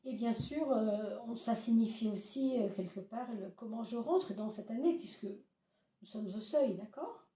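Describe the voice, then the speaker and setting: A hoarse woman giving a casual tarot reading to her viewers, hesitant with many fillers and gently reassuring. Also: a little high, unhurried, distant mic, a little hiss or hum. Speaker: tarot reader. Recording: roomy echo, voice off-mic.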